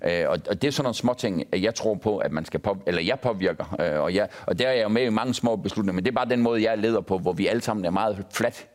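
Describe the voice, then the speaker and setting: A man with a fairly low voice chatting on a talk show as a football club director. He talks in an animated, storytelling way and often repeats small words like "so, so". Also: few pauses. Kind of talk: casual talk show chat.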